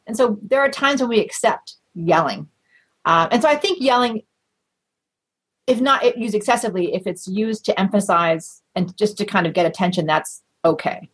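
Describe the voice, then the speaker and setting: Husky-voiced woman explaining research. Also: mid-range voice, low-quality recording. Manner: measured, explanatory, with light laughs and fillers. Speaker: research guest. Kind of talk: conversational interview.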